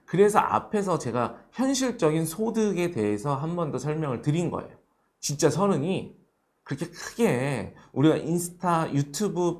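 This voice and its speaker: A man in his thirties giving an earnest lecture on money to young adults, often repeating himself and adding short affirming fillers. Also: a little high. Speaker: host of an economics show.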